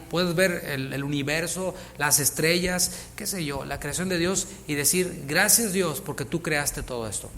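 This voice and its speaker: A man's voice: on the high side, a bit bright, a little hiss or hum. A man preaching a sermon as pastor, speaking with emphasis and putting rhetorical questions to the congregation. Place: church in Houston.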